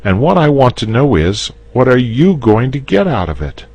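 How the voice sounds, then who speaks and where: A man voicing an eager, insistent young boy in a storybook reading, with a much higher voice. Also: sing-song, normal speed, darkish tone, no echo.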